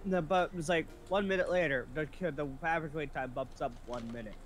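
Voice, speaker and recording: A man's voice: fairly high pitch, fairly quick, slight background noise. A man chatting casually as a co-player on a game stream. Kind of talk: casual chat.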